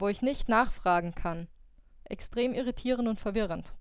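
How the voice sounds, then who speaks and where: This is a woman with an unremarkable speaking voice. She talks at a moderate pace with fairly even intonation. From Austria. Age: 20s. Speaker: podcast host. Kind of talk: casual chat.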